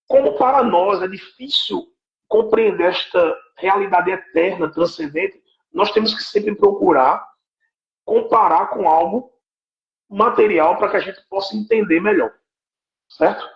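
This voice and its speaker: A man's voice: high-pitched, creaky. A man, giving a teaching talk on a live stream and often checking that his listener follows. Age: 40s. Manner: explanatory, keeps checking with "right?". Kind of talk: teaching talk on spiritual warfare. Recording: echoey, dull lo-fi live stream.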